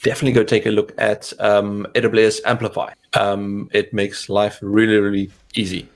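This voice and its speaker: A man's voice: on the low side, flat delivery, normal speed. Guy co-hosting a tech stream, chatty, lots of ums, on a video call mic. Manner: chatty, frequent fillers. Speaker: co-host of cloud Q&A stream. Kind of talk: casual live-stream chat.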